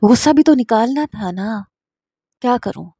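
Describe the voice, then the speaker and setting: A woman's voice: a little high, expressive, mellow, breathy edge, dry recording, studio quality. Dawood, a woman voicing an obsessive jealous man. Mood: obsessive, angry. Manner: heated, pleading and demanding.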